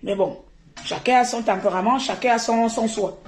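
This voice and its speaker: Woman streamer, high-ish voice, animated and indignant, roomy echo. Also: normal speed, a little hiss or hum. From Gabon. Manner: animated, laughing often, turning forceful and indignant. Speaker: activist live-streamer. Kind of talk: live stream commentary.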